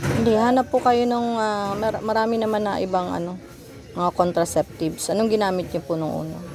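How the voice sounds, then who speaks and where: Music plays in the background. A woman talks at a fairly quick pace with ordinary pitch variation. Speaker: vlogger visiting a poor family. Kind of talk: on-location vlog interview and house tour.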